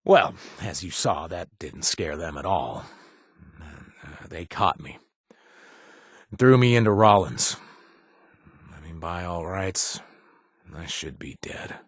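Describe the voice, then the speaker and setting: An actor playing a gruff, washed-up ex-raider who now runs a bar, sardonic and joking one moment, earnest and grateful the next, in video game voice lines. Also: male voice, low voice, lively intonation, slow, long pauses, no echo, studio quality, full character voice. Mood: somber. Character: gruff washed-up male ex-raider bartender, wry. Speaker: game companion character.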